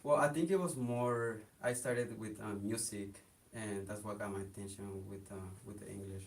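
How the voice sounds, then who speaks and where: Soft-spoken Mexican-born man, halting speech. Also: fairly low pitch, fairly even intonation. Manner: halting, many fillers and restarts. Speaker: interview guest, photographer. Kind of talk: casual interview. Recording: hiss, distant from the mic.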